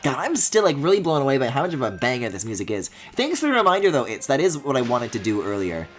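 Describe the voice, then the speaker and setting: A man's voice: medium pitch, wildly swooping pitch, fast talker. A man streaming a video game with casual live commentary, thinking aloud expressively. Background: game music.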